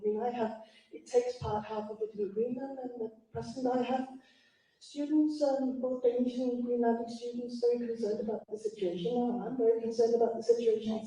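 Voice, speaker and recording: A woman with a slightly high but very dark voice asks a question from the audience. She sounds earnest and halting, picked up from afar in a very echoey room. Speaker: head of studies, audience questioner. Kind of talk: personal question to a speaker. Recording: very echoey, distant room pickup.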